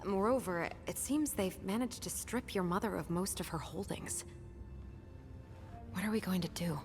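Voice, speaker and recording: An actress playing a shrewd, worried woman political aide who reports in a hushed, quick manner. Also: mid-range voice, faint music behind, lightly acted. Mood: concerned. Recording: reverberant hall.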